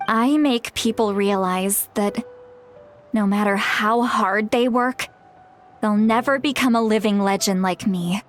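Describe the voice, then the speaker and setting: A woman's voice: mid-range voice, steady tone, measured pace, lightly acted. An actress playing a frank, self-deprecating tribal elder woman in a video game, speaking casually with wry, hesitant asides. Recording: music behind the voice.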